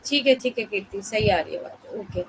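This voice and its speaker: A woman teaching a live online class, explaining slowly and softly with many rhetorical questions while she is fasting and low on energy. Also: a little hiss or hum, low-quality recording.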